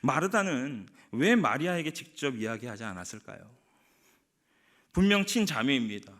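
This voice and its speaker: A man's voice: medium pitch, sing-song, normal speed, fairly bright tone. A man preaching a sermon as pastor, asking the congregation rhetorical questions and acting out quoted speech.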